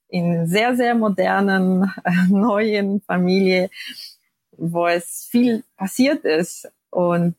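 A woman's voice: medium pitch, a little mellow, dry recording. A woman in her forties from Poland, whose native language is Polish, speaking with a Polish accent as a podcast guest and telling her story with frequent hesitations. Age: 40s. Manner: hesitant, many fillers. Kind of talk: personal interview.

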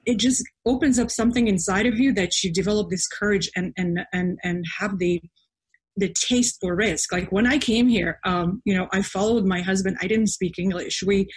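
A woman's voice: medium pitch, slightly rough. A woman from Slovakia who is a guest on a podcast, speaking earnestly and repeating words as she thinks. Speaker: guest, coach. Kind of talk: podcast interview.

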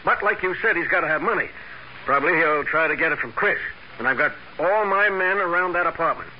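An American man playing an eager, blustery police sergeant in 1940s radio crime drama, excitable and colloquial. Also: a little high, fairly quick, close to an everyday voice. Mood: cocksure. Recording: muffled, hissy old radio recording.

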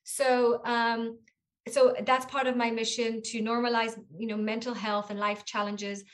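A woman's voice: fairly high pitch, level tone, a little slow. A woman whose first language is Hebrew, a guest author speaking earnestly and reflectively in a podcast interview, with frequent restarts.

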